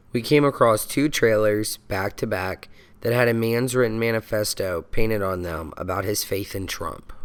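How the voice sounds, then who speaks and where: His pitch is medium, with ordinary variation. The man has an ordinary speaking voice and keeps a moderate pace. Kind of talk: documentary narration.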